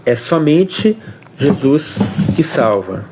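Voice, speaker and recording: A man from Brazil, explaining a faith question on a casual family devotional livestream, with pauses and restarts. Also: a little high, sing-song, very noisy. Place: home livestream.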